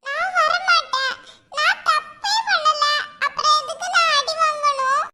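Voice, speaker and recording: A woman voicing a small schoolgirl who pleads her innocence in slow, dragged-out, crying words. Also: very high-pitched, sharp tone, slight background noise, exaggerated voice. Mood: tearful. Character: small girl pupil, tearful and insistent. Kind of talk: cartoon voice acting.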